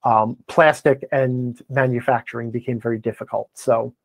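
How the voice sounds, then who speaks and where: A man's voice: medium pitch, steady tone, moderate pace, vocal fry, no room sound. A man speaking as a podcast guest in a conversational interview, wordy and opinionated as he explains things. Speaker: podcast guest, game blogger and author.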